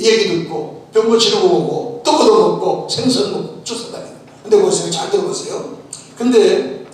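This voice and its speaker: A male pastor preaching a sermon with emphasis, often telling listeners to listen closely and asking rhetorical questions. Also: high voice. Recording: echoey hall from far off, faint noise.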